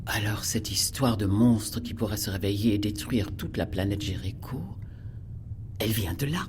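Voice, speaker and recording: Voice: low voice, normal speed, noisy background, lightly acted. An actor playing a curious, sceptical inquirer from the far future, questioning and wry in scripted audio drama dialogue. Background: music.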